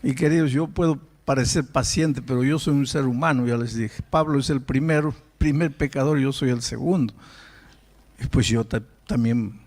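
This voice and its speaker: A male pastor tells a story during a sermon, emphatic and animated, frequently breaking off and restarting his words. His voice sits in the mid range and he keeps a moderate pace.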